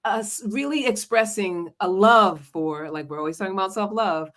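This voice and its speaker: A woman's voice: medium pitch, moderate pace, fairly bright tone. An American woman hosting an interview podcast, affirming her guest and chatting with enthusiasm. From United States. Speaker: podcast host and relationship coach.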